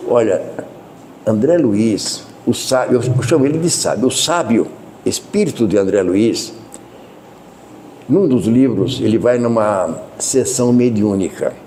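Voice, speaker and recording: A Brazilian man giving a devotional talk at a spiritist center. He speaks in a loud voice that never softens and chats with the audience through asides and questions. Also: expressive, unhurried, a little hiss or hum. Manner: loud, unchanging speaking voice that he cannot lower; conversational, addresses listeners with asides and questions. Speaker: spiritist lecturer. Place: spiritist center meeting hall.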